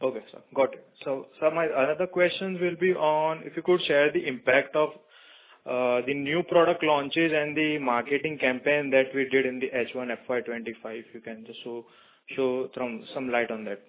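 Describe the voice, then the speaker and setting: A man's voice: medium pitch, steady tone, moderate pace. A man with an Indian accent, a financial analyst politely and a little hesitantly asking business questions. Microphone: phone. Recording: narrow tinny phone line.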